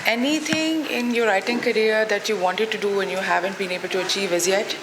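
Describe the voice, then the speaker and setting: A woman's voice: medium pitch, fairly quick. A woman with a Pakistani accent moderating a book talk, putting questions in a conversational way. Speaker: interviewer, session moderator. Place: festival stage. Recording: clear background noise.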